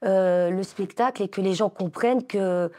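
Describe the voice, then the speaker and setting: Woman in her 40s, dance teacher talking, lots of ums, excited. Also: mid-range voice, normal speed. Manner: hesitant, many fillers, enthusiastic. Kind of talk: interview answers.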